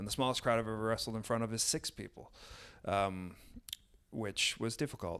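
At a fairly quick pace broken by long, frequent pauses, a man speaks at a medium pitch with fairly even intonation. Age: 30s. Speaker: professional wrestler and wrestling school trainer. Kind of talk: interview. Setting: studio.

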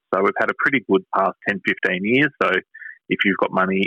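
A man in an Australian accent talks at a very fast pace, the sound dry and close with no echo. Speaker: superannuation ratings executive. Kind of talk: interview.

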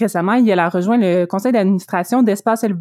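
A woman speaks at medium pitch and a moderate pace with ordinary pitch variation, in a very clean, dry, close recording with a silent background and no echo. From Quebec. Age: 30s. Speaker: podcast co-host. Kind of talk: casual chat.

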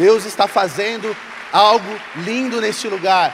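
This man speaks at a high pitch. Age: 30s. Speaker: pastor. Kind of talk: sermon. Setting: church.

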